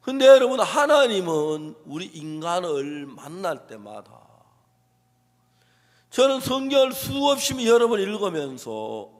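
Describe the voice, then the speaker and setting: A man preaches a sermon in a big church hall, his voice sitting a little high. He moves between quiet, hushed storytelling and emphatic declarations, with acted quotes. Long reverb trails each phrase. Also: big pitch swings, unhurried. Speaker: pastor.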